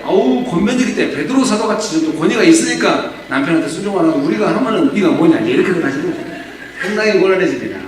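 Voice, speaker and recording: A middle-aged male pastor preaching in a casual, storytelling way, his fairly high voice swinging up and down. He sounds far from the microphone, with a heavy church-hall echo and a faint hum of room noise behind him. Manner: conversational preaching, acts out quoted dialogue with humor. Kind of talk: sermon. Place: church sanctuary.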